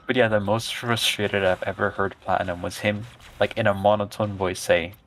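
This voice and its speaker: A man's voice: lowish voice, slight background noise, low-quality recording. A teenage boy chatting casually with a streamer during a game, telling stories loosely with fillers. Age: teens. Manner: relaxed, drawn-out storytelling with filler words. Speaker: co-player. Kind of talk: casual chat while playing.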